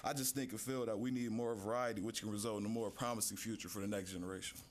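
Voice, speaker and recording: A teenage boy, a high school senior, giving a measured prepared speech as a student speaker. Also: fairly even intonation, heavy background noise. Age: teens. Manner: measured, reads list items slowly. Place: city hall chamber.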